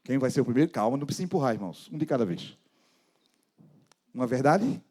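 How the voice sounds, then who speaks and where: A man preaching a sermon as pastor, dramatic, with sudden soft drops in his voice. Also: mid-range voice, animated, quick pace.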